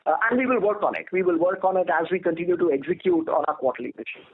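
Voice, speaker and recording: Very high-pitched male executive over telephone. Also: rapid-fire, slight background noise. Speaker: company executive. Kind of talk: earnings call answers. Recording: narrow telephone conference line.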